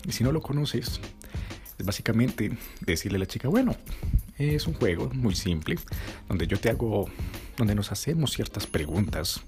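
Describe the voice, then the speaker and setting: Brief: low-pitched male dating coach talking to the viewer, music underneath. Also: lively intonation, moderate pace, darkish tone. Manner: coaching, addresses the viewer directly. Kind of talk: dating advice monologue.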